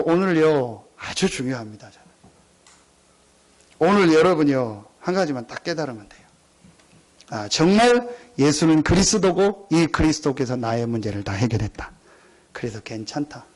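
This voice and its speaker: A middle-aged man preaching a sermon as pastor, emphatic and repetitive, often calling out to the congregation. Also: on the high side. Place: church sanctuary.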